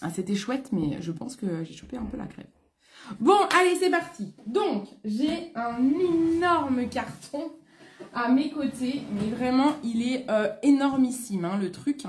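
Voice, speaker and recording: A woman's voice: sits high, lively intonation, measured pace, slight background noise. A French woman hosting a casual live stream as a beauty consultant, chatty and greeting viewers by name, with a throat congested from a coming cold. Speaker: beauty consultant selling online.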